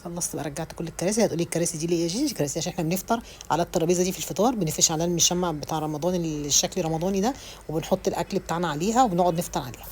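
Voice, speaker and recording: A woman's voice: lowish voice, rapid-fire, a little mellow, slight background noise. A woman in her thirties with an Egyptian accent, chatting casually about cleaning her home in a rambling voice-over full of restarts. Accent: Egyptian Arabic. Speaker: home vlogger.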